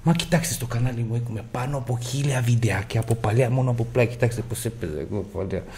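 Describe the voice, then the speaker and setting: A man from Greece giving casual, boastful commentary on slot machine spins, swearing freely and shouting at the reels. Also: mid-range voice, slight background noise.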